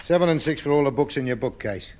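A man's voice: mid-range voice, expressive, fast talker, a little mellow, slight background noise, natural voice. A man playing a wily junk dealer. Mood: haggling. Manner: wheedling, street-trader patter. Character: wily, haggling rag-and-bone man. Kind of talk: 1950s radio sitcom acting.

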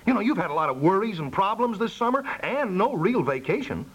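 An actor playing a defensive, wheedling husband in a 1950s radio comedy, flustered and stammering, full of folksy protests. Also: male voice, high-pitched, very animated, a little fast, husky, heavily acted, poor audio. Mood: casual, coaxing. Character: wheedling, defensive middle-class husband playing bridge, feigning innocence. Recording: vintage 1950s radio broadcast sound.

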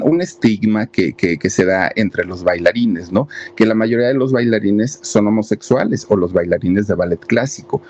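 Chatty low-voiced man telling a story. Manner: chatty, animated, acts out quoted voices. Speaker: storyteller host. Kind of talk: casual storytelling. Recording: dull lo-fi sound.

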